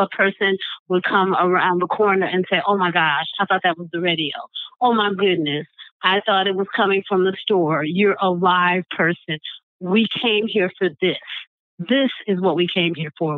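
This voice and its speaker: A woman's voice: lowish voice, no echo. Woman on a tinny phone line. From Michigan. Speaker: street jazz singer. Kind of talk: phone interview.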